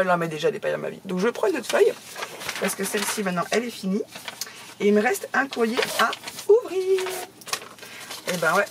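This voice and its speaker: A middle-aged woman chatting casually to her viewers as she opens fan mail, talkative and quick to laugh. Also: mid-range voice, noisy background. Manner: chatty, laughs often, exclaims. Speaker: craft YouTuber opening fan mail. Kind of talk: casual chat to camera.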